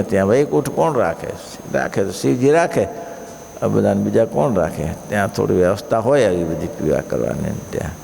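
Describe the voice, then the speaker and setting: Gravelly preacher in a hall. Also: male voice, medium pitch. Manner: animated, acts out story characters with shouts. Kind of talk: sermon with storytelling. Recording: reverberant hall.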